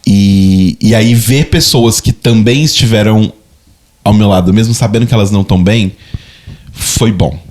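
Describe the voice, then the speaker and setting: His voice is fairly low and a little mellow, moving at a moderate pace: a Brazilian Portuguese-accented man in his thirties, co-hosting a podcast. He chats casually but hesitantly and reflectively, often repeating words as he searches for them.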